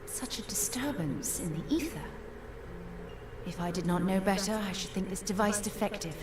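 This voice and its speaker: An actress playing a composed, grave scholarly investigator in a video game cutscene, speaking in measured, formal, archaic phrasing. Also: female voice, mid-range voice, animated, close to an everyday voice. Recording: roomy, distant, noisy game audio from stream.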